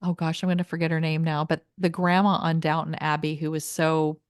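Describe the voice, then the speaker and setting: A woman's voice: low voice, little pitch movement, brisk, smooth, no room sound, clean studio sound. A middle-aged woman hosting an interview, chatty and rambling, often laughing as she talks. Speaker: podcast host and coach. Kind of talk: casual interview chat.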